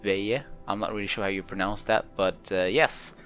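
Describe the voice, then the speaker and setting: Male let's play host, lowish voice, casual and rambling, game music underneath. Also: normal speed, a bit bright. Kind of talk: casual unscripted game commentary.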